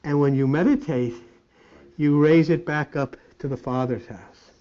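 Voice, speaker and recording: A man preaching a blunt, fiery sermon, swinging between loud exhortation and hushed asides. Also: fairly high pitch, steady tone, unhurried. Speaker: spiritual teacher. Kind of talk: sermon-style lecture. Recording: dull lo-fi recording.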